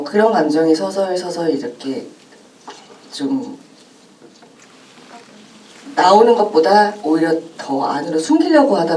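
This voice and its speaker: A thoughtful actress speaks at a film Q&A, pausing often to find her words. Her voice carries through a roomy cinema auditorium, heard from some distance with a faint hum underneath. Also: low voice, warm tone. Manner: thoughtful, with frequent pauses and "uh" fillers. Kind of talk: reflective answer at a post-screening talk.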